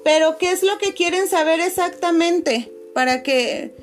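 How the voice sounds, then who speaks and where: A woman teacher, talking patiently to her pupils on a video call and filling pauses with "este". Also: extremely high pitch, faint music behind. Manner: patient, many fillers, calls pupils "chicos" and "corazones". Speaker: schoolteacher. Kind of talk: online class video call.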